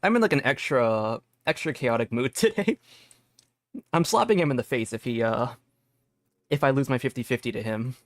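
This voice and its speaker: A young man doing casual live game commentary as a streamer, excitable and rambling, often repeating himself. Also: medium pitch, normal speed, no echo. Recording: dry close sound with game music.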